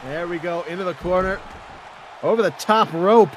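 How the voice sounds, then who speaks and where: A man doing live wrestling play-by-play commentary in an excitable, dramatic manner. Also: sits high, moderate pace, noisy background.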